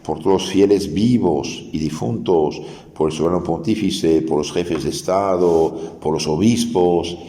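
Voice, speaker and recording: Deep-voiced priest preaching in an echoing church. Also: male voice, measured pace, warm tone. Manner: earnest, explanatory preaching with restarts and dramatized Gospel quotes. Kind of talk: sermon. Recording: echoey, reverberant hall.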